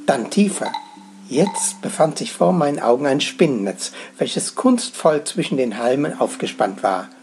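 A man narrating his own story as a guest storyteller, in a gentle, expressive telling. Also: mid-range voice, a little slow, soft background music. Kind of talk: first-person story narration.

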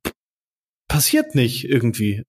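A man's voice: medium pitch, wildly swooping pitch, a little mellow, breathy edge. Chatty joking male podcast host. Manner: chatty, joking, quick questions. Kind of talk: casual interview.

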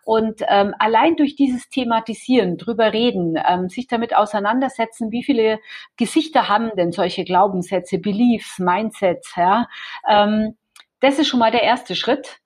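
A woman's voice: fairly high pitch, normal speed, a little mellow, husky. A woman, a guest author explaining her coaching method in an interview, hesitant with many fillers and restarts.

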